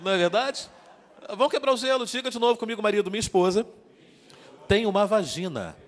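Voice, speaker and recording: A man preaching from the front of a church, his voice sitting a little high for a man. He keeps things light and joking, pulls the congregation into repeating lines, and the long reverb of the hall hangs behind every phrase. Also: animated, quick pace. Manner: joking, interactive, calls out to the congregation. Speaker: guest preacher. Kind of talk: sermon.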